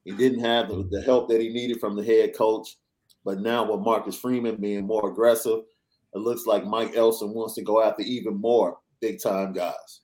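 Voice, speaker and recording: A young adult man hosting a casual sports podcast, reading through news in an energetic, chatty way. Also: fairly low pitch, moderate pace, rough recording. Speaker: podcast host.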